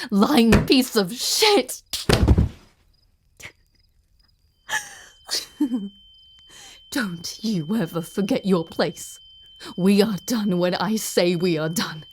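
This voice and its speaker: A woman playing an obsessed, cruel ice queen general in a dramatic audio roleplay, halting and intense, often breathy. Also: mid-range voice, darkish tone, slight background noise. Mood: cruel, contemptuous.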